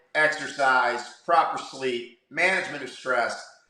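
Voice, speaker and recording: A man speaks in a room. His voice carries an audible echo. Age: 60s. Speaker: clinical pharmacist and nutritionist. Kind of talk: interview.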